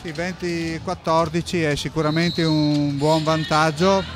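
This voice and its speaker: Guy doing volleyball analysis, kinda high voice, explains each play, drumming behind him in the gym. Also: flat delivery, measured pace, music in the background. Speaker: volleyball co-commentator giving technical analysis. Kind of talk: live sports commentary, analysing plays.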